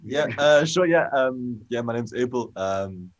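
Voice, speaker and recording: A young man, a student and protest organiser, answering as a guest with quick hesitant speech and fillers. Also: medium pitch, lively intonation. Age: young adult. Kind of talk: interview answers. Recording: dull lo-fi sound.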